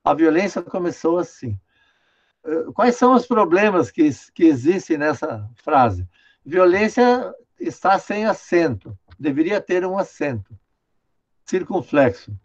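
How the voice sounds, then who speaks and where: Older man, from Brazil, linguistics professor, fairly high voice, patient explaining, lo-fi call sound. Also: big pitch swings, measured pace. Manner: patient, explanatory, many "né?" tags, directs the screen operator. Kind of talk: online lecture, commenting on a student text. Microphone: video call. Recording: dull lo-fi video call audio.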